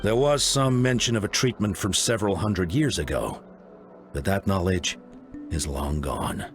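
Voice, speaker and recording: An actor playing a grave, composed tribal leader in a video game, speaking in a formal, measured way. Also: male voice, low voice, expressive, faint music behind. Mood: somber. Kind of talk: scripted game voice acting.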